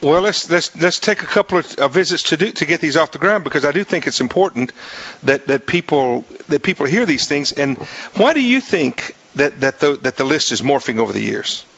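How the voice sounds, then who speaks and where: Raspy-voiced male radio host. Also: fairly high pitch, lively intonation, brisk, a bit bright, dry recording, lo-fi sound. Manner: jokey, rambling with many restarts. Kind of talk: casual radio interview.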